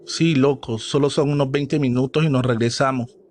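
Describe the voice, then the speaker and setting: A man's voice: medium pitch, fairly even intonation, moderate pace, darkish tone, a little hiss or hum, lightly acted. A man voicing a cocky, pushy teenage boy who taunts his cousin.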